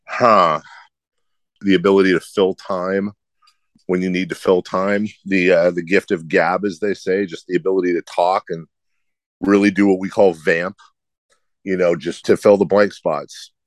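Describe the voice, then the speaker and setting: A man's voice: low voice, flat delivery, a little slow, no room sound. A middle-aged man who hosts sports radio, with a slight lisp and a nasal, droning voice, answering interview questions in a rambling, self-deprecating way.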